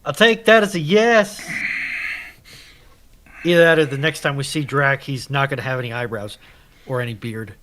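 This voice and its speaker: A man's voice: medium pitch, normal speed, pauses often, noisy background. A man taking part as a panelist in a casual chat.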